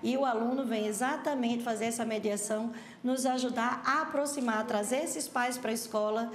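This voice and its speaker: A woman's voice: a little high, fairly even intonation, moderate pace, reverberant. A woman on school staff with a Brazilian accent, explaining her work earnestly in a documentary interview. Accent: Brazilian Portuguese.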